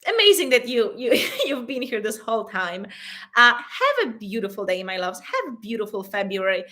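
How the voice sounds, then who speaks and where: Bright Polish-accented woman coach. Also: fairly high pitch, very animated, moderate pace. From Poland. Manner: warm and affectionate, calls viewers "my loves", laughs often. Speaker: intimacy coach hosting a livestream. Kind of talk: live-stream Q&A wrap-up.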